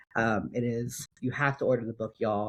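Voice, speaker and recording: A man with a Caribbean accent, fairly quick, medium in pitch, with fairly even intonation. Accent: Caribbean in everyday speech. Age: 30s. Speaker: podcast host and storyteller. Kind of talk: interview conversation. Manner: fast in casual talk.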